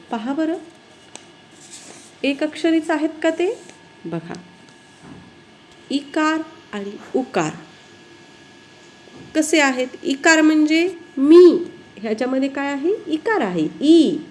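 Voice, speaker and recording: A woman teacher explains spelling rules at an unhurried pace. Her fairly high voice rises and falls a lot as she asks her pupils questions. Faint noise sits behind her. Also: darkish tone. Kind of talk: spelling lesson.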